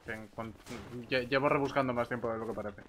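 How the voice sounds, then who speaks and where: A man's voice: medium pitch, fairly even intonation, fast talker, fairly bright tone, slight background noise. A man chatting casually with fellow players in an online roleplay game.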